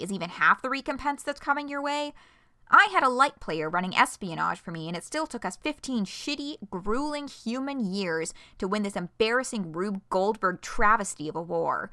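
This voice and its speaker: A woman's voice: mid-range voice, no room sound, studio quality. A woman voicing an angry, foul-mouthed young male troll who hurls insults. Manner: shouting insults.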